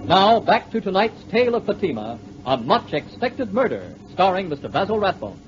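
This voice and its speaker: A male 1940s radio announcer with a high, animated voice. Loud music plays behind him on a muffled old recording. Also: normal speed.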